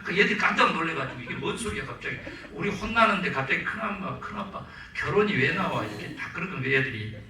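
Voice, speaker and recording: Animated Korean pastor in an echoey church. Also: male voice, on the high side, quick pace, few pauses. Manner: animated, acts out quotes and calls for amens. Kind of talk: sermon. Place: church sanctuary. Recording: very echoey church, mic at a distance.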